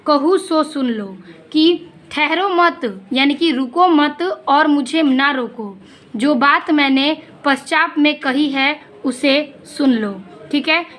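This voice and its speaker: A woman teacher explaining a poem line by line, reading the verses slowly and then explaining them in plain words. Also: high voice, a bit bright.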